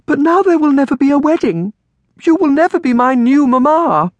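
A man voicing a distraught, pleading eleven-year-old orphan girl in a storybook, tearful and halting. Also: high voice, huge pitch swings, dry recording, pitched above the performer's own voice, exaggerated voice. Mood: sobbing, grieving. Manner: tearful, halting, stammering on first words.

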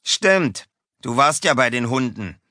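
A man's voice: medium pitch, lively intonation, slow, pushed and bright, no echo, studio quality, voice pushed up. A man voicing a spiteful young male cat who taunts the others in an audiobook for children. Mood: snide. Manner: snide, taunting. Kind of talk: audiobook character voice.

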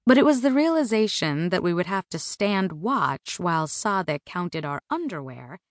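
Low-voiced woman narrating an audiobook. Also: very animated, normal speed, dry recording, studio quality. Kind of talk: first-person literary narration. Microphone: close studio mic.

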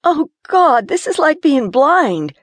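A woman voicing a feisty young city woman who is claustrophobic and quick to panic. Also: mid-range voice, very animated, no room sound, voice pushed up, lightly acted. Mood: nervous, sassy. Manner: jumpy, sassy, quick to panic.

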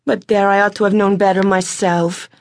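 A woman's voice: medium pitch, little pitch movement, moderate pace, no echo, studio quality, pitched above the performer's own voice, lightly acted. A woman reading a firm, earnest young woman. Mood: exasperated. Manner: firm, earnest, slightly raised voice.

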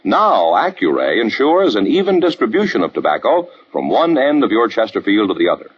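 A man's voice: fairly low pitch, wildly swooping pitch, a little fast. A man announcing on a 1950s radio show with a polished, emphatic delivery. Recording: dull old radio broadcast, faint hiss.

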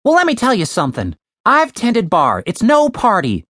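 A man's voice: high-pitched, wildly swooping pitch, normal speed, a bit bright, no room sound, studio quality, voice pushed up, full character voice. A woman voicing a grumpy, foul-mouthed young man, a former bartender who rants profanely. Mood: ranting. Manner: profane, ranting.

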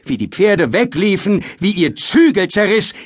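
An actor playing a chatty, put-upon manservant in a theatrical classical comedy audio drama, with excitable, exaggerated comic delivery. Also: male voice, high-pitched, measured pace, husky, no echo, studio quality, full character voice. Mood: aggrieved storytelling.

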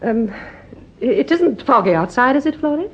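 A woman's voice: high voice, big pitch swings, moderate pace, husky, heavily acted. An actress playing a polite, secretive British woman with a hesitant manner in a radio drama. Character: polite, anxious, secretive female neighbour. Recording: dull vintage radio recording.

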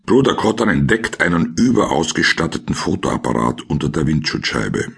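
Ein Mann mit österreichischem Akzent und rauer Stimme, der sachlich und trocken die Szenen eines Krimi-Hörspiels erzählt. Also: male voice, rumbling low, very animated, normal speed, fairly bright tone. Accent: Austrian. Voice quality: gravelly, husky. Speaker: narrator of a crime audio drama. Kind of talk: scripted scene narration in present tense.

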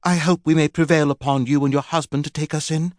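A man's voice: on the high side, fairly even intonation, fast, darkish tone, no echo, studio quality, voice pushed up, natural voice. A man voicing a haughty, imperious older aristocratic lady with a disapproving manner. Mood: curt.

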